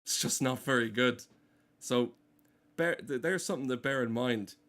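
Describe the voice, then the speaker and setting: A man giving casual gameplay commentary in a deadpan, mock-solemn manner. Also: medium pitch, normal speed. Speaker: gameplay streamer. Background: game music.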